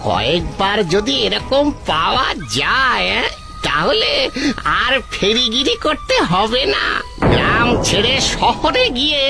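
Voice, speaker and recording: A woman's voice: a little high, very animated, slow pace, vocal fry, sharp tone, heavily acted. A woman doing a greedy scheming peddler man. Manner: scheming, then panicky. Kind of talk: cartoon voice acting. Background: background music.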